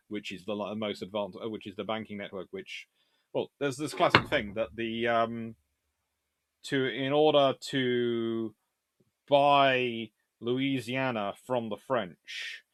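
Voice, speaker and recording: A man with a lowish, slightly bright voice hosts a casual live Q&A, taking viewer questions on naval history. He speaks in a rambling, discursive manner and often corrects himself, and the recording has no room sound.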